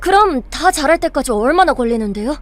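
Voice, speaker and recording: A woman playing a naive, eager and sheltered young survivor in an audio drama, with an expressive, wide-eyed delivery. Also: high-pitched, brisk. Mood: eager, hopeful. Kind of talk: Korean audio drama acting.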